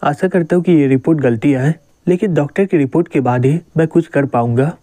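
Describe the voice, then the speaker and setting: A man reads a fatherly police captain in a manga recap. He is calm and quietly teasing, with a mellow, slightly high voice. The sound is dry and close. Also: brisk, no room sound, natural voice. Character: older male police captain, fatherly and shrewd.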